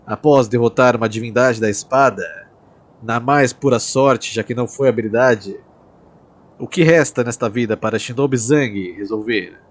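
A man putting on a grandiose, mock-epic male anime narrator voice, slow and overdramatic. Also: medium pitch, pitched below the performer's own voice, close to an everyday voice.

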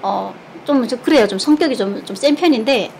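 A woman's voice: on the high side, expressive, a little fast, vocal fry, a little mellow, slight background noise, rough recording. A woman from Korea, chatting candidly while eating and telling stories frankly, with laughter and blunt words. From North Korea. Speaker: mukbang streamer.

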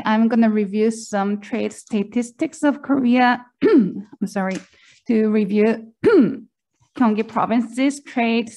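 A woman delivering live consecutive interpretation into English, voicing a presenter's talk in the first person. Her pitch sits mid-range, and she makes small restarts as she keeps pace with the speaker. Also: darkish tone. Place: conference seminar room.

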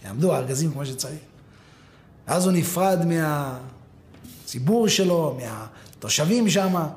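Casting: male preacher with a high voice, animated parable storytelling, speaks straight to listeners. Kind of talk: sermon with dramatic storytelling.

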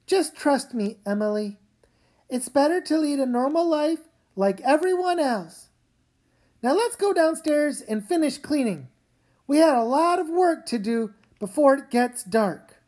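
Woman as weary mom, unhurried, measured, gently firm, comic story reading. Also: high voice, lively intonation. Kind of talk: comic book read-aloud.

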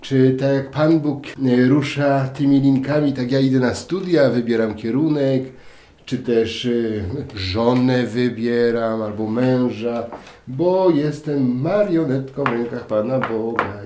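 A priest in his fifties giving a thoughtful spiritual talk to camera, asking questions and then settling into quiet answers. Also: mid-range voice, a little slow, a little hiss or hum. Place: dim room at a table, indoors. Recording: roomy echo, faint music.

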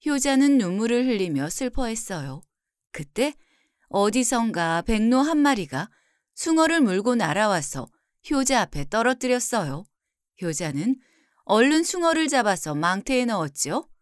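A woman narrating a folktale gently as a storyteller, in scripted narration. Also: fairly high pitch, big pitch swings, no room sound, clean studio sound. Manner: gentle and slow-paced.

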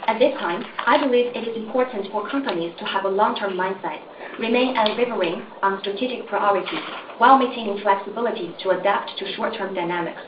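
A woman's voice: mid-range voice, fairly quick. A woman interpreter carefully reading formal corporate remarks on a conference call. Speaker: interpreter for executive. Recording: dull, roomy, noisy distant conference line.

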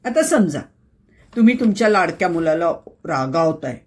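With a fairly low, slightly mellow voice and big swings in pitch, a woman hosts an explainer on voice skills at a moderate pace. The script is delivered conversationally and theatrically, emphatic and packed with rhetorical questions.

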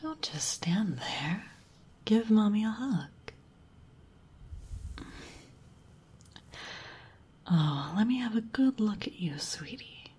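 A woman's voice: medium pitch, animated, unhurried, darkish tone. A woman voicing a powerful mature succubus mother in a sultry, teasing, condescending whispered role-play. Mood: teasing, doting. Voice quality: very breathy, husky.

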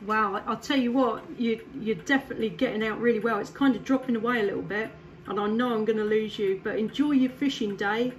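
A woman's voice: fairly high pitch, quick pace, background noise. Chatty English woman on CB radio. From England. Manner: friendly, laughs often, many fillers. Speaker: CB radio operator. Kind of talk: casual radio chat.

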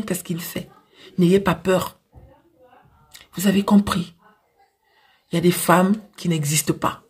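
A young adult woman with an African French accent and a husky voice, giving frank, emphatic advice straight to the camera like a big sister. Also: fairly low pitch, a little mellow. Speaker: social media advice creator. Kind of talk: direct-to-camera advice talk. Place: small dim indoor room. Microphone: phone at arm's length.

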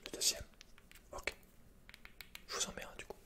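A young adult man plays a shopkeeper in an ASMR roleplay, speaking close to the mic in a hesitant, halting, understated way.

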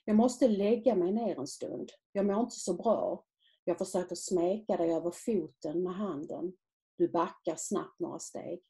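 A woman author reading aloud from her own novel in a measured, quiet literary manner. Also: lowish voice.

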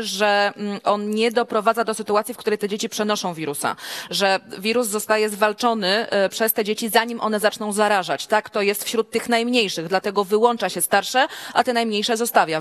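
Woman in her 30s hosting a live tv interview, calm, pushes back when she cuts in. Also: mid-range voice. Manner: measured, reads quotes, interjects firmly. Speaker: TV news interviewer. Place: TV studio.

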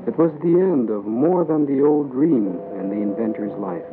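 A man narrating a documentary script in a measured, even reading. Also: mid-range voice, background noise. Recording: tinny lo-fi audio with music underneath. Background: music bed.

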